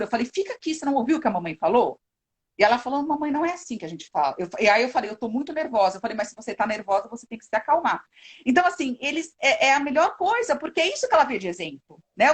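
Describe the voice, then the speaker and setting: A woman's voice: a little high, slightly rough. A woman with a Brazilian accent, a parenting educator chatting earnestly on a live video call and acting out quoted lines. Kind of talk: casual live chat.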